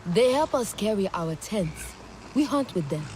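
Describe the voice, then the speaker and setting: A woman's voice: medium pitch, very animated, measured pace, warm tone, soft background music. An actress voicing a proud, blunt tribal horsewoman in a video game.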